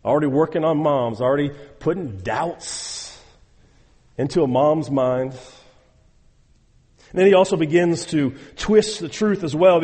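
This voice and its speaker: A man's voice: a little high, darkish tone, breathy edge, in a large hall. A man preaching a sermon, emphatic and exhorting, repeating phrases and speaking straight to his listeners. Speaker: pastor.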